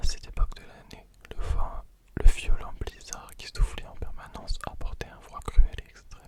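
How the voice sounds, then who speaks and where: A whispered voice at a moderate pace comes through over noticeable background noise. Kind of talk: whispered reading of a story.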